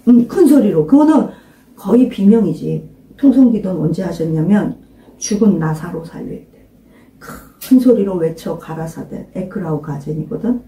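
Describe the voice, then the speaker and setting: An older woman pastor with a fairly low, mellow and expressive voice preaches an informal sermon to a small congregation at a moderate pace. She questions her listeners emphatically and urges them to pray aloud. The mic sits at a distance, picking up a roomy echo.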